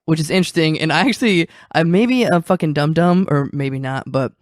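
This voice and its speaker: A man's voice: a little high, brisk, dry recording, clean studio sound. A man hosting a casual podcast interview, with a sweary, self-deprecating way of talking. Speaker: podcast host.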